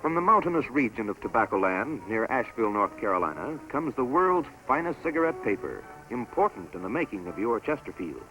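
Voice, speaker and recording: A man giving scripted narration for a promotional documentary film in a measured, stately announcer delivery. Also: medium pitch, very animated, poor audio. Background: orchestral music score.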